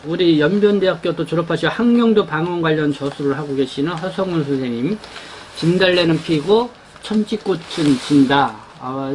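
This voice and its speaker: Halting Korean man presenting a newspaper. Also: on the high side, a little hiss or hum, poor audio. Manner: halting, many fillers and restarts. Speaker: newspaper editor presenting the issue. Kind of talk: unscripted newspaper rundown.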